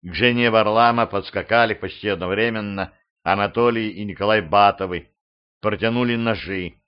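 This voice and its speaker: A man reading an audiobook as narrator, with steady, even storytelling. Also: on the low side. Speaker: audiobook reader. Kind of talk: scripted narration. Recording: slightly dull lo-fi audio.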